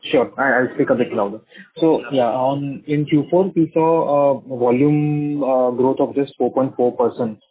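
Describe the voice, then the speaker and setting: A man's voice: medium pitch, fairly even intonation, measured pace. Male analyst, mid-range voice, questioning on a conference call, thin unclear telephone audio. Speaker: financial analyst asking questions. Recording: muffled narrow phone line.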